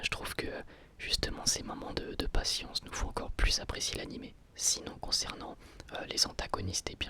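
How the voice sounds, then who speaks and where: A person whispering in a breathy, unvoiced voice throughout, giving an ASMR-style review as a video host, thinking aloud in short, hesitant phrases.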